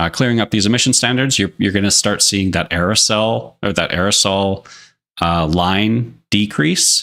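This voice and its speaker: With a Newfoundland accent, a man speaks at a moderate pace with a very deep, low pitch. His tone is bright and sharp, and the recording is very clean with a silent background. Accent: Newfoundland accent, mild when sober. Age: 20s. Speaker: streamer. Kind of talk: casual chat. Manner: halting, many fillers.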